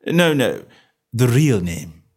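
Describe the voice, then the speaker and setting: A man voicing a calm, self-assured male detective with a bland, measured manner. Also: medium pitch, voice pushed up. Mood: cheery.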